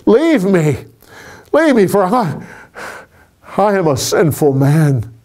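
A man's voice: sits high, sing-song, takes it slowly, darkish tone, pitched above the performer's own voice, full character voice. An older man doing an earnest, humble fisherman Peter. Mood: pleading. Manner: raised, earnest and pleading.

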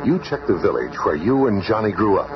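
An actor playing a firm, authoritative superhero team leader in a 1970s radio drama on an old noisy recording. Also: male voice, on the low side, very animated, a little fast, dull audio. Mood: brisk. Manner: firm, commanding.

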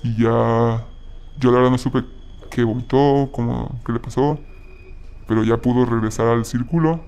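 A man telling a personal story in a halting way, often restarting his sentences. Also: medium pitch, fairly even intonation, darkish tone. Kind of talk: personal story told casually.

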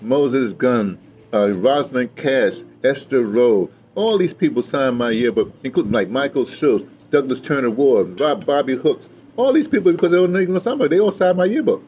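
A man of about seventy, reminiscing casually in a rambling, halting way, circling back to his point. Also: mid-range voice, animated, darkish tone. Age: around 70. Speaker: interviewee, theater and radio drama veteran. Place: outdoors in a yard beside a house. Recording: clear outdoor ambient noise.

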